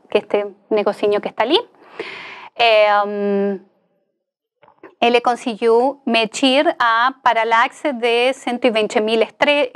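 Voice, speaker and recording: A woman in her thirties lecturing in Spanish-accented Portuguese, a native Spanish speaker mixing in Spanish words and pausing hesitantly as she explains. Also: fairly high pitch. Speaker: astronomy lecturer. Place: indoor lecture studio beside a large screen.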